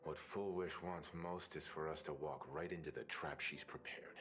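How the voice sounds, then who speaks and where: Very deep, calm, analytical man. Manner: measured, deductive, serious. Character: calm, analytical, serious male game companion. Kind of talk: scripted game dialogue.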